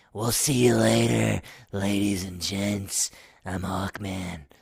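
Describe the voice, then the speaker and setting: A raspy, low-pitched put-on character voice at a fairly slow pace. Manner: villainous.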